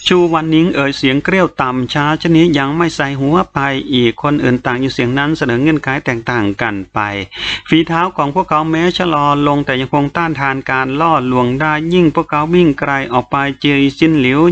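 A man's voice: fairly high pitch, brisk. Man narrating a novel dramatically. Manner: steady dramatic storytelling. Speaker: audiobook narrator. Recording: slightly muffled recording, faint noise.

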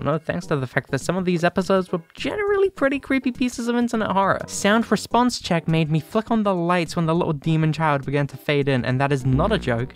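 Wry, sardonic video essayist, mid-pitched voice. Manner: wry, sardonic, playfully exaggerated. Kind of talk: casual scripted video-essay commentary.

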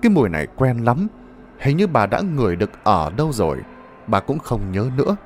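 A man's voice: mid-range voice, sing-song, a little fast, slight background noise. A man narrating a ghost story in a dramatic, suspenseful manner.

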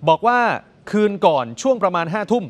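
A man presents the news with a high, ringing voice. He puts heavy stress on his words and keeps turning to the audience as he reports. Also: lively intonation, fairly quick. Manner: emphatic, addresses viewers directly.

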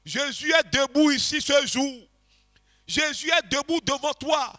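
A man preaching a revival sermon to a congregation, passionately shouting and chanting repeated phrases and leading them in prayer. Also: extremely high pitch, unhurried. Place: church congregation.

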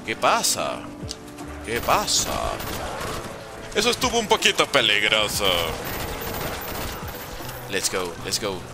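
A man's voice: fairly low pitch, huge pitch swings, slow, pauses often, music in the background. A man in his thirties from Venezuela with a Venezuelan Spanish accent, chatting casually as a gaming streamer while reading chat and humming little sounds as he plays. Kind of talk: live gameplay commentary reading chat.

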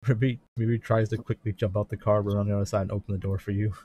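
A man's voice: fairly low pitch, flat delivery, very fast, dark tone, a little hiss or hum. A man playing a tabletop game, speaking in an easygoing, hesitant way. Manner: easygoing, hesitant, lots of agreeing murmurs. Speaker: player. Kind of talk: casual tabletop play over voice chat.

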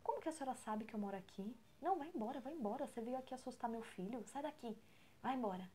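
A woman voicing a young man who is ashamed of his mother and tells her off in a rapid, exasperated way. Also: a little high, animated, warm tone, a little hiss or hum, close to an everyday voice. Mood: hostile.

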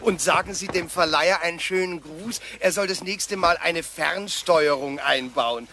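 A smug young man with a motorboat teases in a children's radio drama. His voice is high and sharp, dripping sarcasm, over faint recording noise. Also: moderate pace. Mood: amused, sarcastic. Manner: sarcastic, teasing. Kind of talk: German children's audio play acting. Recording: faintly noisy old cassette recording.

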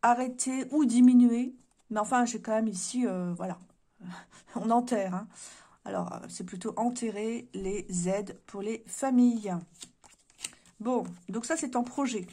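Woman, card reading, fairly high pitch, hesitant thinking aloud, voice giving out, indoor room. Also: fairly even intonation, measured pace, mellow. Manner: musing, thinks aloud with many fillers and hesitations. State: voice giving out, clears throat. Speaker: card reader. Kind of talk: casual tarot reading to camera.

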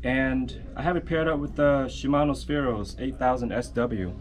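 A man's voice: mid-range voice, normal speed, a little hiss or hum. A man on tackle shop staff, explaining a spinning setup in an easygoing way with frequent fillers. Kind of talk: casual product explanation.

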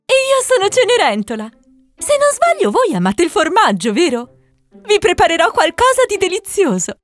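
A woman voicing a sweet, gentle young heroine in a fairy-tale cartoon, with a girlish manner. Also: very high-pitched, huge pitch swings, moderate pace, soft background music, full character voice. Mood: friendly.

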